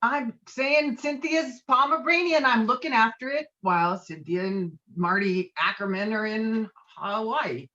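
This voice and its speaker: A woman's voice: a little high, unhurried, hardly any pauses, sharp tone, lo-fi sound. A woman acting a belligerent, rule-obsessed middle-aged male bowler in a script read, emphatic, self-righteous and foul-mouthed. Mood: irritated, insistent. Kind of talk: acted table read of a film script.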